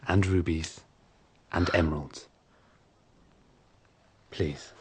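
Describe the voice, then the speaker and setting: An actor playing a polite male servant who speaks calmly and formally in a radio drama. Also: low-pitched, extremely slow, a little hiss or hum. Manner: calm, courteous, formal.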